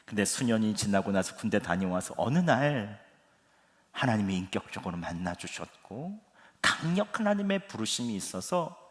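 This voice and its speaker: A man's voice: on the low side, normal speed. A middle-aged man preaching a sermon as pastor, telling stories vividly and acting out the people he quotes. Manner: animated storytelling that acts out quoted speech. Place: church sanctuary. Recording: long reverb of a church hall.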